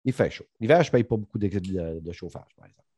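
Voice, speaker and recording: A man's voice: low-pitched, expressive, quick pace, mellow, breathy edge, no echo. A middle-aged man with a Saguenay Quebec French accent, hosting a casual podcast chat, joking bluntly and swearing freely. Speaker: podcast host.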